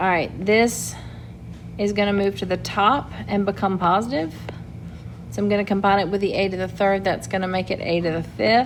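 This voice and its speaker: A woman with a medium pitch speaks with fairly even intonation over noticeable background noise. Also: moderate pace. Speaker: math teacher. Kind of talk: tutorial.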